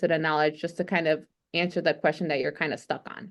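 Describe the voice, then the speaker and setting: A woman's voice against a quiet background. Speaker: behavior analyst and social media influencer. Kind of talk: casual interview chat. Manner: fast; animated.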